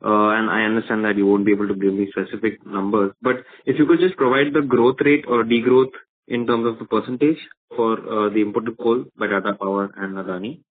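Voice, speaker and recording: Man, analyst, lower pitch, polite hesitant questioning, narrow telephone audio. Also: fairly even intonation, fairly quick. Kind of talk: polite question on earnings call. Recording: thin phone line.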